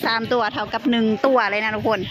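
A woman's voice: a little high, fairly even intonation, fast, crowd noise. A woman with an Isan accent chatting casually to viewers as she shops, exclaiming and repeating her phrases. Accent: Isan (northeastern Thai). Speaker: shopping vlogger addressing viewers. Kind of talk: casual live vlog chat while shopping at a market. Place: busy market. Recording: noisy market ambience.

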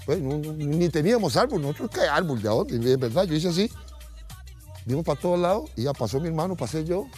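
A man's voice: a little high, brisk, faint music behind. A middle-aged Costa Rican man casually telling an anecdote, acting out the people in it. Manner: animated, acts out voices in his stories. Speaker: guest storyteller.

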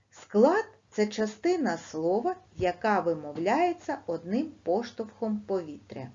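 A middle-aged woman, teaching second graders in a lively, sing-song way and stretching words out slowly. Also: medium pitch, breathy edge. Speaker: primary school teacher. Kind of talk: online lesson for second graders. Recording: dull lo-fi sound.

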